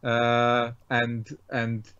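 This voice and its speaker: A man's voice: mid-range voice, completely flat delivery, very slow, pushed and bright, clean tone, dull audio. Dry-witted Hungarian man on a call. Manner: dry, self-mocking humor. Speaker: guest. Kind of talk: video-call interview. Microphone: webcam over video call.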